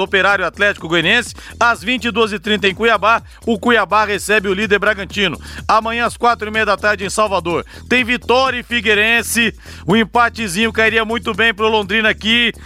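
Casting: Brazilian man, sports radio host with a high, bright voice, punching out results and hard-sell advertising like a announcer.

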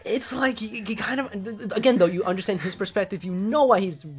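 A man co-hosting a podcast chats casually as he recaps a cartoon episode, laughing often and acting out quoted lines. His voice sits high and moves at a quick pace.

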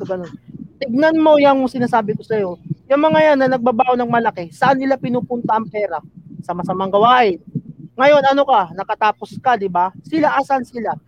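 A man's voice: very high-pitched, fairly quick, lo-fi sound. A man in a casual talk show, speaking earnestly and calling the others "sir". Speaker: show regular. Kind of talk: casual chat.

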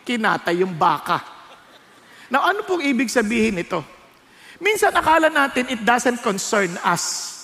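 A man preaching a bilingual sermon as pastor, animated and engaging the congregation with a story. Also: extremely high pitch, unhurried. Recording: long church-hall reverb.

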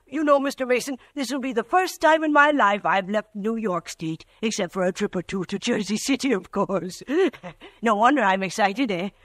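Mild, excitable little man for a 1940s radio play: high-pitched, politely hesitant, chatty. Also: normal speed, no room sound. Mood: eager, chatty. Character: fussy, excitable, mild-mannered little man, magazine customer. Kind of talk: 1940s radio drama acting.

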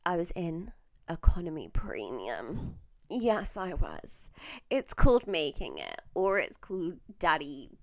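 A young Australian woman hosting her podcast alone, talking in a low, chatty voice. She mocks herself and swears freely as she gets over a chest infection. The sound is close and dry, with no room around it. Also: huge pitch swings, takes it slowly, no room sound. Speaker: podcast host. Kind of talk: casual solo podcast chat.

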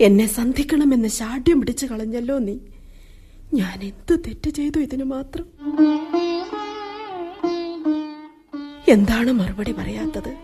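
A grieving queen mother, proud and anguished, pleading and declaiming with great intensity. Her voice sits high yet sounds dark and mellow, and faint music plays behind it in this radio play. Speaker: radio drama actor. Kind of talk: classic radio drama acting.

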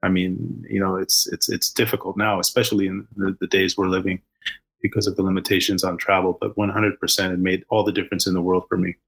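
A man's voice: sits low, little pitch movement, quick pace, vocal fry, fairly bright tone, slightly rough, low-quality recording. A man in his early fifties, born in Argentina and raised in the US, talking as a guest in a podcast interview with lots of restarts. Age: 50s. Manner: rambling, many restarts and fillers. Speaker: guest, social impact founder.

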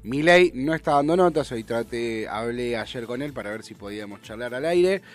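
A man's voice: mid-range voice, animated, moderate pace. A man from Buenos Aires province with a Rioplatense accent, hosting a casual talk radio chat and arguing his points with many restarts. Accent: Rioplatense Spanish. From Buenos Aires province, Argentina. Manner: hesitant, restarts and fillers, argumentative. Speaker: radio host.

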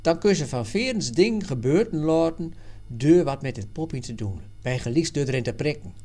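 Guy putting on jan, an earnest storybook trader, raised and lively voice, explains stuff. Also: a little high, normal speed. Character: adult man, worldly former colonial trader.

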